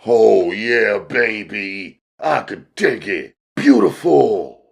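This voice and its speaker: A man's voice: lowish voice, expressive, very slow, vocal fry, husky, voice pushed up, exaggerated voice. A man voicing a cocky, self-assured street dealer in slangy audiobook dialogue. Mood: pleased. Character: cool, cocky young male street dealer.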